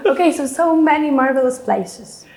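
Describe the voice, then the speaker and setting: Lady interviewer, short questions, slightly high voice, echoey room. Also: animated, moderate pace, darkish tone. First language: Polish. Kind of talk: casual interview.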